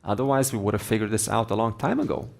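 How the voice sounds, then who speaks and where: A man giving a slow, deliberate spiritual lecture, explaining ideas with Sanskrit terms. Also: lowish voice, gravelly, darkish tone. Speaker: Vedanta teacher.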